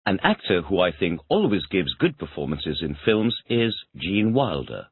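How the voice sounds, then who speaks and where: A man in an English lesson answers each question by repeating it back in full sentences. His low voice is sing-song and slightly rough at a moderate pace, and the audio is tinny, phone-like, and dry with no echo.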